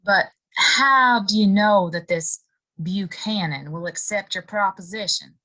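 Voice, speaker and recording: A woman playing a wary, plain-spoken young saloon girl in an audio play, measured and skeptical. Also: mid-range voice, pushed and bright. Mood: skeptical, worried.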